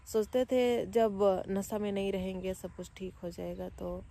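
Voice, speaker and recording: A young woman vlogger talking quietly and sadly, standing outdoors near family graves. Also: medium pitch, steady tone. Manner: subdued, grieving, speaks slowly and softly. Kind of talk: personal vlog talk.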